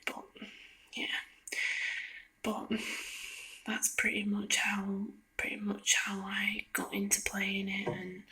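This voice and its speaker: Whispering woman, monotone ASMR ramble. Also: medium pitch. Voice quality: whispered, breathy. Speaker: ASMR video creator. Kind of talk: soft-spoken ASMR ramble. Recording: lo-fi ASMR recording.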